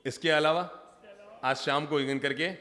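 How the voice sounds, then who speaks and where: His voice a little high, pushed and bright, the Jain monk from Rajasthan, India, preaches at an unhurried pace with fairly even intonation. He engages the crowd directly with jokes and questions, and the hall adds a long reverb.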